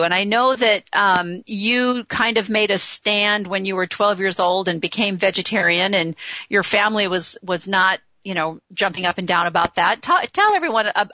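Bright-voiced woman host, slightly dull sound. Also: medium pitch, moderate pace, dry recording. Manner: friendly questioning, chatty with fillers. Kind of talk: casual interview chat.

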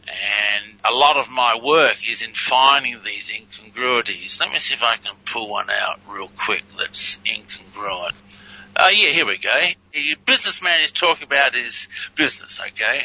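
A man's voice: mid-range voice, pushed and bright. A man speaking as a guest in a radio interview, chatty and prone to chuckling and exclaiming. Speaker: guest, researcher of reversed speech. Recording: muffled lo-fi audio.

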